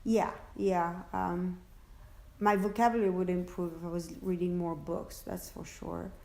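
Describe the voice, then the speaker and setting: A woman answering interview questions about her work as an interpreter, halting and searching for words, often restarting. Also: lowish voice, flat delivery, darkish tone. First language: French. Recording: echoey room.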